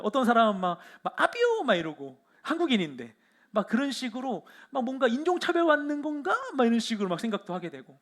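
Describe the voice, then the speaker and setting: Animated high-voiced male pastor preaching. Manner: storytelling with frequent fillers, animated retelling. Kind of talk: sermon. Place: church hall.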